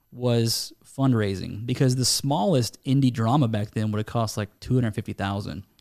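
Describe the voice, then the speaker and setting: A man with a normal speaking voice speaks at a medium pitch with fairly even intonation. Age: 40s. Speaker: indie film writer-director and novelist. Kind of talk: casual interview chat. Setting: studio.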